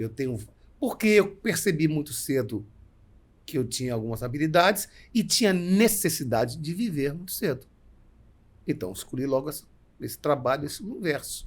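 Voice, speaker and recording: At a moderate pace, a man with a fairly high, somewhat breathy voice swings his pitch very widely and leaves long, frequent pauses. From Brazil, Minas Gerais (Belo Horizonte). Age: 60s. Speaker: actor. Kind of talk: interview conversation.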